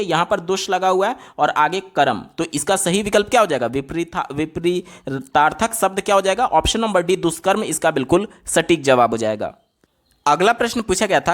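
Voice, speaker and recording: Male exam tutor, raised pitch, voice-over walkthrough that repeats each answer. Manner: asks and answers his own questions, repeats answers.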